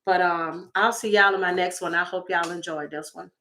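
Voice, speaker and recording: Slightly raspy woman chatting through tarot. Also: lowish voice, steady tone, moderate pace, pushed and bright, a little hiss or hum. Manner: chatty, exclaiming, talks to viewers. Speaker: tarot reader. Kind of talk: casual tarot reading to viewers.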